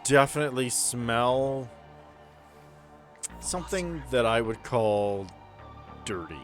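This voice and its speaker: A man's voice: medium pitch, lively intonation, slow pace, faint music behind. A man narrating a tabletop roleplaying game as game master, with joking asides.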